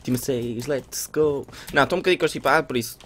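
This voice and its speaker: A young man with a European Portuguese accent and a cold, hosting casual gameplay commentary on a headset mic, excitable and swearing casually. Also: medium pitch, a little hiss or hum. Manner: fast, excitable, laughs a lot, swears casually. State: congested with a cold. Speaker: gaming host.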